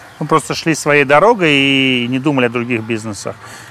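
Against noticeable background noise, a man at medium pitch speaks at a fairly slow pace with ordinary pitch variation. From Azerbaijan. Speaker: businessman and founder of a cultural center. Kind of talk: casual interview. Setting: outdoors at a park, on a tour.

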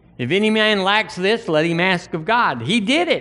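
This man speaks with an Alabama accent in a raised, projected voice that is high-pitched for a man, with a bright, sharp tone. His intonation is lively and his pace is moderate. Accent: Southern US (Alabama). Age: 60s. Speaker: pastor. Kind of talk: sermon. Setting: church.

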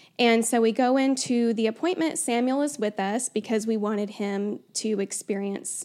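With an American accent, a woman speaks at a moderate pace and a fairly high pitch, using a normal speaking voice with ordinary pitch variation. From Oklahoma, US. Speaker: stay-at-home mom. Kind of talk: testimony.

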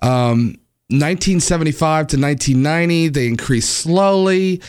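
A normal speaking voice comes at a moderate pace with lively intonation. The recording is very clean, with a silent background. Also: man. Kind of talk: casual interview.

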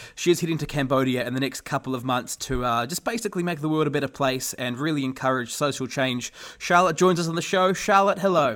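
A man with a New Zealand accent, fairly high pitch, ordinary pitch variation, and a very fast pace. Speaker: podcast host and van driver. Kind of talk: casual chat.

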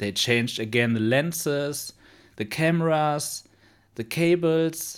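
A man with a non-native accent and fairly high pitch, very slow pace and lively intonation, in a very clean recording with a silent background. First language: not English. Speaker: VR content creator. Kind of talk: casual chat. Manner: halting.

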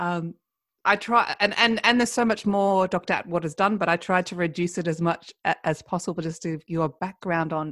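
Enthusiastic and animated, a woman speaks at a fairly quick pace and fairly low pitch with ordinary pitch variation. The recording is very clean and silent behind her, with a dry, close sound and no echo. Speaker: podcast host. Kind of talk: interview, enthusiastic host. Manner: enthusiastic, animated.

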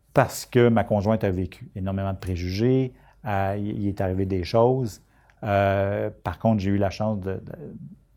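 On a very clean recording with a silent background, a man with a Quebec accent speaks in a dark, mellow tone. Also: long, frequent pauses, big swings in loudness. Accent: Québécois French. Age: 40s. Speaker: nonprofit executive director. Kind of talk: interview.

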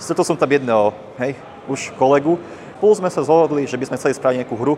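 Noticeable background noise sits behind the voice. The speech moves at a fairly quick pace with ordinary pitch variation. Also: man. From Slovakia. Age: 20s. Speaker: student game developer. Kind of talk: interview. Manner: halting.

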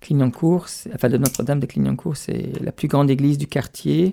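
Vocal fry colors a man's medium-pitched voice, which has a dark, mellow tone and lively intonation. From Germany, Stuttgart area. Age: 50s. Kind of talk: radio interview testimony. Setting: studio. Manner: halting.

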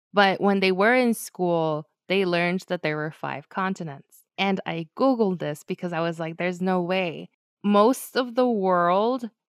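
In a Spanish accent, the speaker goes at a fairly slow pace with ordinary pitch variation and a dry, close sound with no echo. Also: woman. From US, Mexican-American family. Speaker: podcast co-host. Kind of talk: scripted narration; casual chat.

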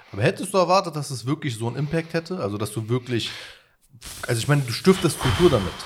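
At a very fast pace, a man speaks in a fairly high pitch with lively intonation. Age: 20s. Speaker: YouTuber, interviewer. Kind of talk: casual chat.

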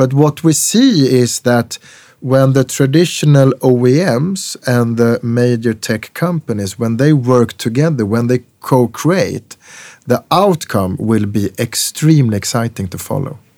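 Speaking at a fairly slow pace with a Swedish accent, a man uses a medium pitch, ordinary pitch variation and a dark, mellow tone in a dry, close sound with no echo. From Sweden. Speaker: investment advisor. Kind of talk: interview. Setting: studio. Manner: halting, repeats words.

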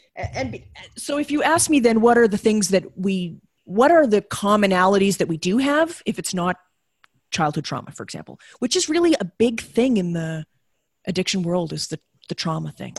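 Somewhat breathy and with a Canadian accent, a woman at medium pitch speaks at a fairly quick pace, with very wide pitch swings and big swings in loudness, in a dry, close sound with no echo. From Canada. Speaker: sober coach. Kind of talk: podcast interview. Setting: call.

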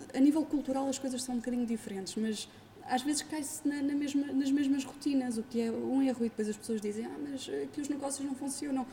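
Noticeable background noise sits behind a woman speaking at a very fast pace. Her voice is high-pitched, with ordinary pitch variation. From Portugal, Chaves (Trás-os-Montes). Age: 20s. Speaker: cultural events producer. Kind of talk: casual chat. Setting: rooftop venue.

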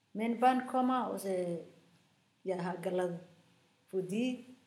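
The voice has a dark, mellow tone, with audible room echo around it. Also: woman. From Somalia. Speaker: refugee in language school. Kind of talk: recorded testimony. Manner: halting.

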